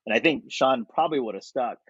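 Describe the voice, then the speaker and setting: A man's voice: medium pitch, fast talker, slightly rough, no room sound. Man in his thirties, from korea, reflective interview guest, dry close sound, a bit muffled. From South Korea. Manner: thoughtful, animated, with frequent fillers and laughs. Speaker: podcast guest. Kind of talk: conversational interview. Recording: dry, slightly dull podcast audio.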